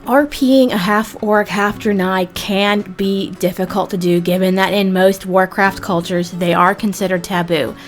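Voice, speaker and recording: A woman hosting a video, narrating a scripted explainer in a measured, deliberate way with emphatic pauses. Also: mid-range voice, steady tone. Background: background music.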